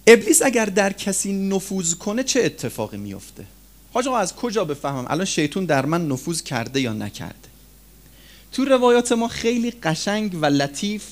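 A man preaching a sermon to his listeners, with sudden loud rises and low drops as he addresses them as friends. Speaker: cleric preacher.

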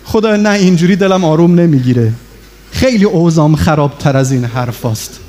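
A man's voice: a little high, animated, dark tone. A man preaching an emotional religious sermon, pleading with and speaking straight to his congregation. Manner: fervent, pleading, addressing listeners directly.

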